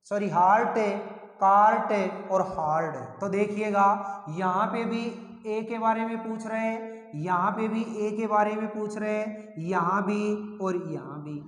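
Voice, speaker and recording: A male teacher talks slowly through a sound lesson, repeating each word and asking the class questions he then answers himself. His voice sits high. The room rings with a long, echoey reverb. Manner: slow and repetitive, asks the class questions and answers them himself. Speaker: English teacher.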